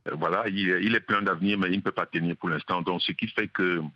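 A deep-voiced man, calling in to a radio show. He pauses often, filling gaps as he builds his argument. His voice is dry and comes through a dull, muffled phone line. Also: fairly even intonation, no room sound. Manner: hesitant, many fillers, earnest. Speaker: caller. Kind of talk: radio call-in.

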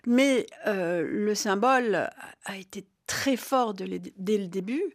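An older woman, a historian, answering interview questions in a measured, reflective way with occasional hesitations. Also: mid-range voice. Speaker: historian guest.

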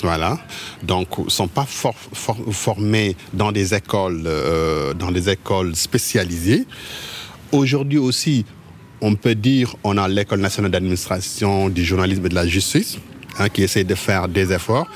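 A low-pitched man from Mauritania talks through interview answers. He is a journalist who halts often and repeats little words while he gathers his thoughts, with faint background noise around him. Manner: halting, with frequent word repetitions.

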